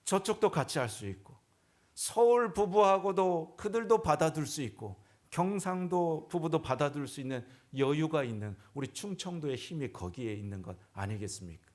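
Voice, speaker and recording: A pastor, his pitch sitting a bit high for a man, preaches in a church. He poses question after question to the congregation and swings his voice up and down between them. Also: lively intonation, normal speed, a little mellow. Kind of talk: sermon.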